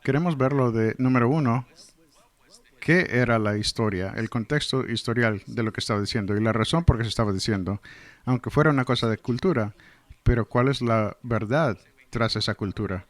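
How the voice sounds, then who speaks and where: A man's voice: medium pitch, brisk, no room sound. A man delivering a verse-by-verse sermon in translation, earnestly reading scripture and explaining it. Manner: earnest, explanatory, reads scripture then comments. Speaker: Spanish translator of a pastor's sermon.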